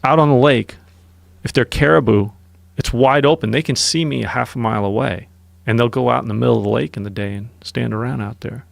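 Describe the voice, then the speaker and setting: A podcast guest, a man with a gravelly, fry-tinged voice, recounts hunting experiences in a casual, animated way. He is recorded close on a studio mic with a dry sound. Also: medium pitch, no echo. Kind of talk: casual storytelling.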